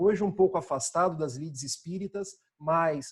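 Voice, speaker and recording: A man's high voice, with ordinary pitch variation, comes through on a very clean recording with a silent background. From northern Rio de Janeiro state, Brazil. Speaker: spiritist lecturer. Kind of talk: religious study discussion.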